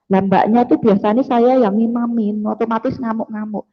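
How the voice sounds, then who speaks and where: A woman tells her testimony to a church crowd in a lively, storytelling way. She mimics sounds and keeps addressing her listeners directly. The recording is muffled and lo-fi, with long echo rolling around a large hall. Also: on the high side, moderate pace. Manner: animated storytelling with sound effects, calls the audience "brothers and sisters". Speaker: testimony giver. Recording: echoey hall, dull lo-fi sound.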